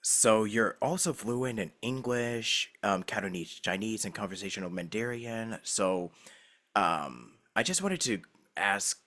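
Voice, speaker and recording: A young man hosts a casual interview with an easygoing, friendly manner, laughing now and then. His voice sits low but swings widely in pitch as he talks. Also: expressive, a little slow, pushed and bright. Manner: laid-back and chummy, laughs often. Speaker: podcast host.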